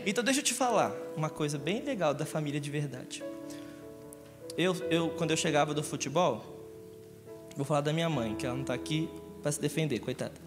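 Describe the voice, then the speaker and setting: A man preaches a Sunday sermon, joking often and asking the congregation questions. His voice sits high for a man. It carries a long church reverb, and music plays behind it. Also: animated, fairly quick. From Rio de Janeiro, Brazil. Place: church hall.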